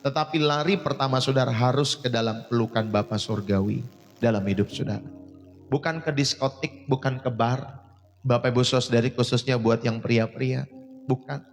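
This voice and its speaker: Pastor, male, 30s, emphatic sermon delivery with sudden high peaks; long hall reverb.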